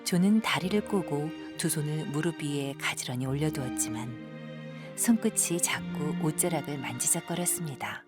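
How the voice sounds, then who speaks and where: 낮은 목소리의 여성 내레이터. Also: female voice, deep voice, moderate pace. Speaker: narrator. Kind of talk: scripted storytelling narration for audio drama. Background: music.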